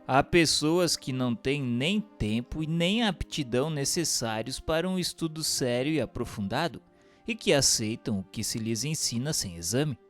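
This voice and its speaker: A man's voice: mid-range voice, animated, moderate pace, soft background music, close to an everyday voice. A man playing an earnest questioner in a scripted audio drama, asking in a formal, inquiring way. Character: earnest male questioner seeking truth from spirits.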